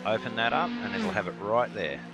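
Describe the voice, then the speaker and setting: A man's voice: on the low side, animated, fairly quick, over loud music. A man chatting casually and matily over online voice chat. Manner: blokey, matey, slangy.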